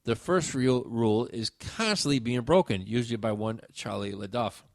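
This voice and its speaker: A man's voice: mid-range voice, normal speed, creaky, no echo, studio quality. A man hosting a talk radio show, wry and rambling with frequent filler sounds.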